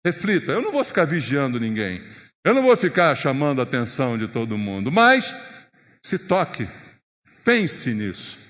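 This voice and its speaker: A man with a Brazilian Portuguese accent preaching a sermon in a church, emphatic and animated, with strong rises and drops for emphasis. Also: medium pitch, normal speed. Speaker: pastor. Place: church sanctuary. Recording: long church reverb.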